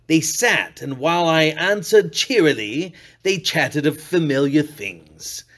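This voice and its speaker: A man performing a dramatic storybook reading as an unhinged murderer, theatrical, sliding from hushed purring to shrieks. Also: on the high side, lively intonation, takes it slowly, heavily acted. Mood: sly, gloating. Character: unhinged male murderer, gloating and paranoid, classic villain. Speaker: reader.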